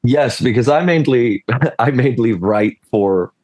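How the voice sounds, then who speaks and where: A man's voice: mid-range voice, lively intonation, unhurried, darkish tone, no echo. A man from Switzerland, talking on a panel in a rambling way, often stopping himself and laughing. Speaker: panelist, game designer. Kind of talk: casual panel discussion.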